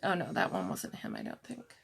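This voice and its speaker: A middle-aged woman with a calm, soft-spoken voice, chatting slowly through a live jewelry showcase and answering viewers by name. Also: lowish voice, gravelly, husky. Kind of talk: slow live-stream product showcase chat.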